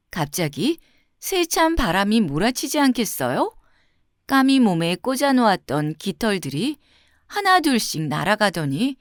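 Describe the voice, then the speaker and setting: Expressive woman reading children's fairy tales. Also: mid-range voice, no room sound, studio quality. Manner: expressive, clearly phrased storytelling. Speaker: children's storyteller. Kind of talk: scripted fairy-tale narration for children.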